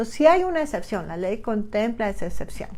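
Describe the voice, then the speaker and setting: A woman talks with a fairly high pitch. She has a normal speaking voice. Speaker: immigration lawyer. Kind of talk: informational Q&A segment.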